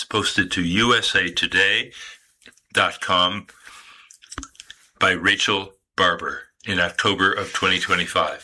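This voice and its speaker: A man announcing on a community radio station, reading out source credits in a slow, measured way. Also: deep voice, bright, forceful tone, slight background noise, low-quality recording.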